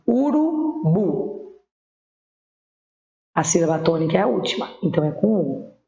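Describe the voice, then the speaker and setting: A woman with a Brazilian accent teaching primary school children spelling, patiently sounding out words slowly. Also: low-pitched, creaky, a little mellow. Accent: Brazilian Portuguese. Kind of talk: online spelling lesson. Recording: echoey room, dull lo-fi sound.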